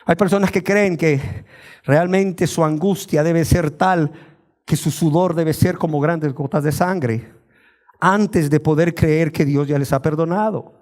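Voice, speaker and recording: A man's voice: a little high, measured pace, darkish tone. A pastor, preaching a sermon in a rhetorical, questioning way and mocking the claims he argues against.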